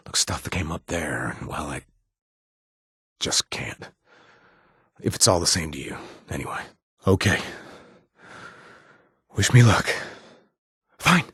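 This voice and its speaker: A man's voice: low-pitched, a bit bright, breathy edge, no room sound, clean studio sound, full character voice. An actor playing a nervous, wisecracking male raider companion in a video game, who rambles, jokes and corrects himself mid-sentence. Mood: shaken, then urgent. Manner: rambling, self-correcting, jokey. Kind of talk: game character voice lines.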